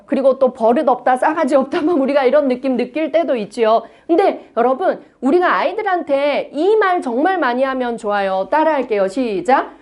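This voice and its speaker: A middle-aged woman from South Korea, a psychology lecturer giving a talk on emotion coaching, speaking straight to her audience and acting out what a parent might say. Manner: addresses the audience directly with frequent "네" and questions; acts out parent lines in a lively higher voice.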